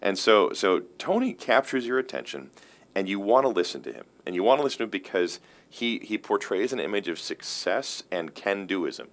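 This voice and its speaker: A man with a very deep, low voice talks theology as a pastor in relaxed conversation. He explains things earnestly and often circles back, restarting and repeating words mid-thought. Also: normal speed. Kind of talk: casual theological discussion.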